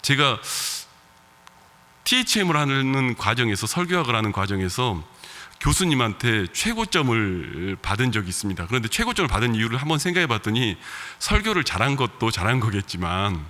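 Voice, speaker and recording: A male pastor with a bright, forceful voice and a regional Korean dialect accent preaches to his congregation in a relaxed, conversational way, dropping in soft laughs and fillers. His voice rings out with the long reverb of a church sanctuary. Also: medium pitch, brisk. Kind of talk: sermon.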